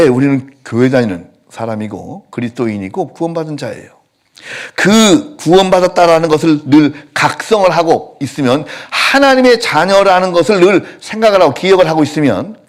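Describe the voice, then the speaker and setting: A male pastor preaching a sermon in a church, telling stories with lively acted-out quotes. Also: a little high. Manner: animated storytelling, acting out quotes. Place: church sanctuary.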